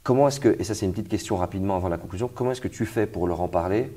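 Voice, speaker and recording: A man's voice: low-pitched, very fast, dark tone. A young man hosting an interview, talking casually with fillers and restarts. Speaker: host.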